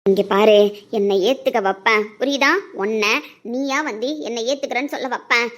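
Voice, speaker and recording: A woman's voice: a little high, normal speed, a bit bright, lightly acted. A woman playing a stubborn young wife in an amateur audio drama, with defiant, taunting retorts.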